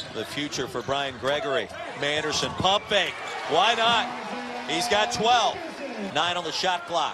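A man at a high pitch with an energetic tone and very wide pitch swings, at a fairly slow pace, over noticeable background noise. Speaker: basketball play-by-play commentator. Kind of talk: live basketball play-by-play commentary, clipped highlight calls. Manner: energetic, rising emphasis on big plays. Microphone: headset.

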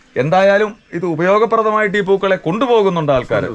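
A man speaks in a raised, projected voice with a bright, sharp tone. His pitch varies in an ordinary way. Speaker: YouTube vlogger. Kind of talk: vlog presentation with on-site interview. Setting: outdoors, in a house yard.

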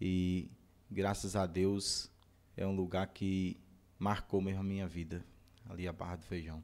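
Speaking in a monotone with flat intonation, a man's very deep, low voice comes with long, frequent pauses. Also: fairly slow pace. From Tabuleiro do Norte, Ceará, Brazil; Ceará, Brazil. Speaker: missionary preacher. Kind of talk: casual interview. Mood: calm, earnest. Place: studio. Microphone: studio mic.

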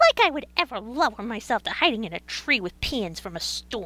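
Squeaky sounds fill this put-on character voice. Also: female-sounding voice, fairly high pitch for a woman, moderate pace. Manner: petulant, bratty, self-pitying.

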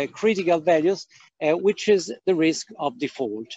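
Talking at a very slow pace with an Italian accent, a man with a high pitch uses ordinary pitch variation, in a dry sound with no echo and light background noise. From Italy. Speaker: road committee chair; panelist. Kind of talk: webinar presentation. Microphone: video call.

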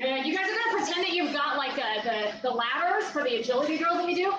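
Amid noticeable background noise and audible room echo, a woman speaks at an extremely high pitch. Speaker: fitness instructor. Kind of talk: workout class instruction. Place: gym. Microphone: camera far.

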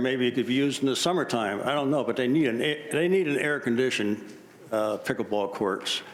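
A man speaks at a medium pitch and a moderate pace, with ordinary pitch variation. Audible room echo surrounds his voice. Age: 70s. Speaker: resident speaking at public comment. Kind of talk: public comment at town hall. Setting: town hall meeting at recreation center.

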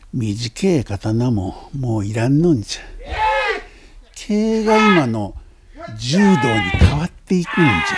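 A man talks at a very slow pace in an Okayama accent, leaving long, frequent pauses. Loud background noise fills the recording. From Okayama, Japan. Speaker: dialect teacher, martial arts master. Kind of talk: dialect lesson, historical explanation. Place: home room.

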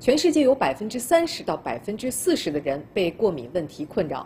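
A woman's voice sits fairly high, with very wide pitch swings. There is light background noise. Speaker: news anchor. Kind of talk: news reading. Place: studio.

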